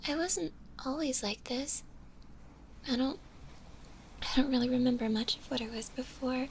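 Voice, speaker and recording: A woman voicing a shy, gentle undead zombie girl in an ASMR roleplay, speaking softly and breathily in a hesitant, bashful way, often in a whisper. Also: high-pitched, gravelly, a little hiss or hum. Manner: hesitant, bashful, halting with small giggles.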